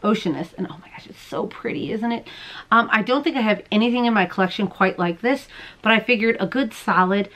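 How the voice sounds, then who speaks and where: A woman's voice: mid-range voice, brisk, fairly bright tone, low-quality recording. A woman in her thirties hosting a yarn vlog, chatty and bubbly with frequent laughs. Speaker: yarn vlogger host. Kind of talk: casual chat. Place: busy yarn festival hall, then home studio. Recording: crowd noise at festival.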